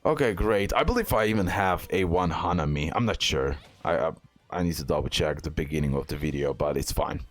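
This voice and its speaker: A man's voice: rumbling low, a little fast, soft background music. A man giving casual, off-the-cuff gameplay commentary, repeating phrases and tacking on little check-in questions. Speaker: gaming content creator.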